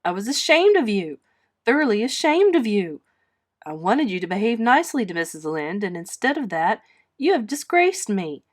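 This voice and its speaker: A woman's voice: medium pitch, big pitch swings, moderate pace. Woman playing a stern, scolding elderly spinster. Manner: firm, clipped scolding.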